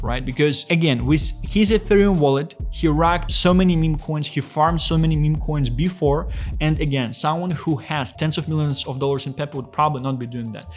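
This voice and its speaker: Blunt, profane man with light music. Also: on the high side. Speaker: crypto commentator. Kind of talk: casual commentary video.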